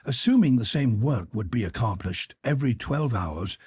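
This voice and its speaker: A man's voice: medium pitch, lively intonation, normal speed, a little mellow, husky, dry recording, clean studio sound. A man reading a classic novel aloud as a scripted audiobook narration.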